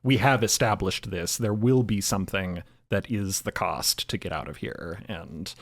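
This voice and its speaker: Male panel guest, somewhat low pitch, articulate, agreeable, conversational. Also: measured pace. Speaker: podcast creator, panel guest. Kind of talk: casual roundtable discussion.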